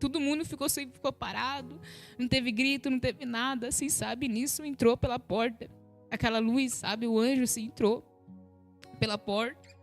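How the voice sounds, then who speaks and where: A woman with a notably high voice tells her spiritual testimony on a live stream. She speaks with feeling and keeps turning to her listeners as brothers and sisters, asking whether they follow. Soft music plays faintly behind her. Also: steady tone, moderate pace. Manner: emotional retelling, repeats "sabe, meus irmãos". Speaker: guest giving a religious testimony.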